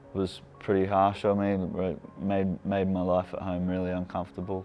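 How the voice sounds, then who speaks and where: Speaking in an Australian accent, a man keeps a moderate pace and a flat monotone at a very deep, low pitch. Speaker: church member giving testimony. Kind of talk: testimony. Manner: halting, many fillers.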